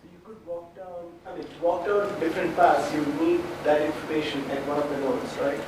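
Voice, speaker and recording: A man's voice: a little high, fairly even intonation, a little fast, far from the mic. A man probing a technical point from the audience, rephrasing his questions as he goes. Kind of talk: technical discussion from the floor. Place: room, speaking from audience away from mic. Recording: very echoey, off-mic, noisy room.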